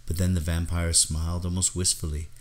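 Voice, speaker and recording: A man narrating gothic fiction as an audiobook reader, in a measured, dramatic delivery. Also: low voice, level tone.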